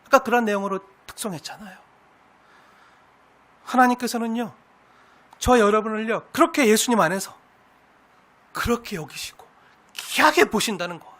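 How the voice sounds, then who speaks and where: A male pastor delivering a sermon in a high voice that sits well above most men's. His tone is bright and forceful, and he preaches earnestly, leaning on heartfelt rhetorical questions. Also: normal speed, pauses often.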